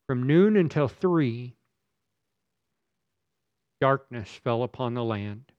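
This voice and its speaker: A man's voice: mid-range voice, expressive, slow, a little mellow, dry recording. A man preaching a sermon in a dramatic, emphatic way, building his points through rhetorical questions. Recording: slightly dull lo-fi recording.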